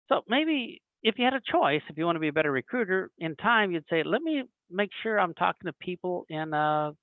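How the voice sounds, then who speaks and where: Lively man on a tinny video call. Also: a little high, dry recording. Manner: animated, acts out little dialogues. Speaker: webinar presenter. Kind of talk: recruiting training talk. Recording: dry tinny phone-like online call audio.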